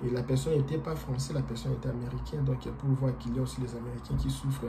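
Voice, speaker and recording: A man from DR Congo, not a native French speaker, talks to camera in a relaxed vlog. His voice is very dark and mellow, and his delivery is halting, full of fillers and restarts. Faint noise sits under it. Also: mid-range voice, vocal fry. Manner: hesitant, halting, frequent fillers and repeated words. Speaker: vlogger. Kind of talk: casual explanatory monologue.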